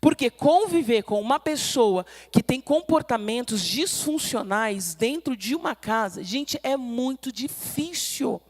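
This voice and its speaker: A middle-aged Brazilian woman preaching with a high, bright voice. She teaches with emphasis, pressing each point home, and slips into acted-out voices when she quotes someone. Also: animated, measured pace, few pauses. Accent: Brazilian Portuguese. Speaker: pastor. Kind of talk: sermon teaching.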